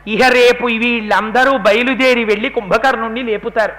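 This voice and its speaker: High bright-voiced male storyteller. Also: fairly even intonation, normal speed. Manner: storytelling, acting out characters' speech with rising intensity. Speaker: religious discourse speaker. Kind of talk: devotional epic discourse.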